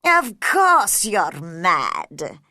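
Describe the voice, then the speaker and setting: A woman voicing a grinning, riddling male cat in a storybook reading, speaking in a slow, drawn-out, knowing way. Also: fairly low pitch, huge pitch swings, bright, forceful tone, no room sound, studio quality, heavily acted. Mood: teasing.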